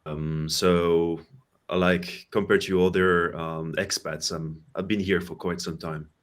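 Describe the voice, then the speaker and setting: A man's voice: low voice, little pitch movement, unhurried. A man from France with a French accent, giving hesitant conversational answers as a panel guest.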